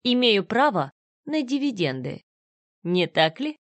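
A woman voicing a cold, menacing man who threatens his former partner with slow, sneering words, in a storybook reading. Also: a little high, very animated, no room sound. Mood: coldly mocking.

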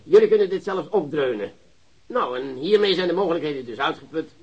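An actor playing a pompous, commanding prosecutor briefing policemen in a radio drama. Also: male voice, on the high side, lively intonation, fairly quick, husky, highs cut off. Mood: self-satisfied, dictating. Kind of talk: Dutch radio drama acting.

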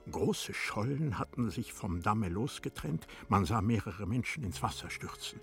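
A man with a fairly low voice narrates a literary radio play in a measured, expressive storytelling manner.

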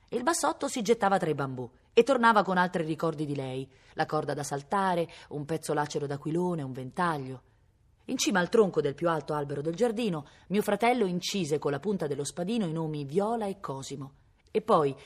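A woman reading a novel aloud expressively, now and then mimicking animal sounds. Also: deep voice. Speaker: reader. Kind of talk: read-aloud novel narration.

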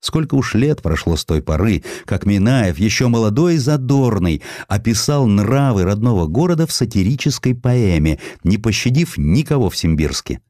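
A man narrating a historical sketch in an expressive scripted style, with dramatic, deliberate phrasing. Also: lowish voice, no room sound, studio quality. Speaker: audiobook narrator.

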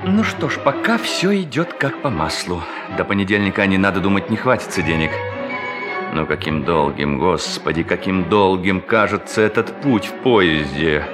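An actor playing a nervous, scheming bank cashier in a radio play, shifting between polite talk and urgent private muttering. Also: male voice, low voice, animated, moderate pace, over music. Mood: anxious, impatient. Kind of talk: radio play acting with inner monologue.

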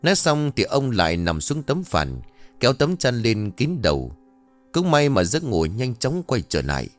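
A man narrating a scripted ghost story in an expressive, dramatic way. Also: medium pitch, unhurried, soft background music.

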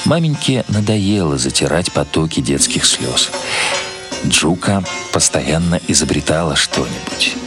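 A man with a deep, low voice narrates literary fiction as an actor would for radio. Music plays clearly behind his reading. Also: expressive, measured pace. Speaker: actor reading a novel aloud.

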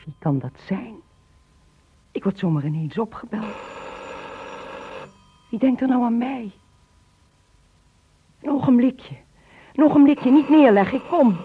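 A woman's voice: on the high side, expressive, a little slow, pauses often, a little hiss or hum. An older woman acting in a radio drama, playing a lonely, inquisitive old lady who probes with insistent questions. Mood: startled, flustered. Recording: muffled lo-fi old radio play recording.

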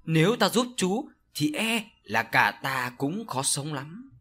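A man voicing an older village sorcerer who speaks slowly and solemnly in an audio story. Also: fairly high pitch, sing-song, a bit bright, exaggerated voice. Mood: grave. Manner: slow, solemn, scolding. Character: older male village sorcerer, stern and grave.

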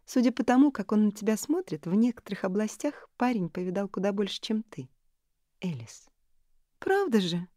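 A woman reading an audiobook, voicing a lively, teasing young married woman who is insistent and hungry for gossip. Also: medium pitch, a little fast, no room sound, studio quality, pitched above the performer's own voice, natural voice.

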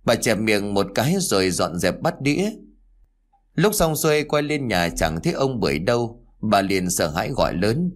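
Guy narrating a story, low voice, very animated, faint music behind. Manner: expressive, dramatic storytelling.

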